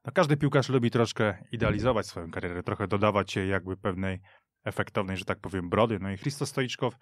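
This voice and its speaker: Man, lowish voice, radio studio guest, dry close sound, fluent, lists names and details. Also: fast talker, no echo. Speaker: radio show guest, football pundit. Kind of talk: casual sports discussion.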